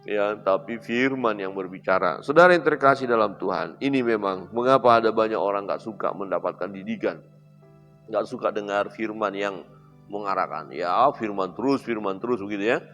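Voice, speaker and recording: Man, pastor, animated preaching that swings between loud and quiet, faint music underneath. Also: moderate pace. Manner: animated preaching, acting out quoted voices with big swings in pitch and loudness. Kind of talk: sermon.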